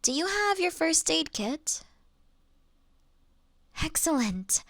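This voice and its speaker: A woman playing a polite, reassuring vampire who looks like a child, speaking gently to the listener in an audio roleplay. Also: very high-pitched, sing-song, takes it slowly, dry recording, clean studio sound, exaggerated voice. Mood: reassuring, businesslike. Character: childlike-looking ancient female vampire, polite, reassuring, mildly wry.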